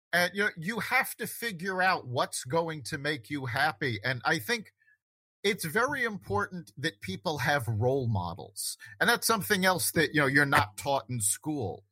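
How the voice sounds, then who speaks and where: Man, host, casual conversation, earnest, high pitch, bright tone. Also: no echo. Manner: earnest, reflective, many restarts.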